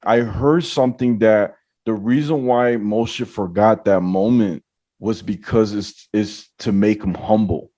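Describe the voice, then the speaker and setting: A man's voice: on the low side, fairly even intonation, unhurried, mellow. A man hosting a podcast, asking questions in a friendly, enthusiastic way. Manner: enthusiastic, repeats his praise. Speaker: podcast host. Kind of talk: casual interview questions.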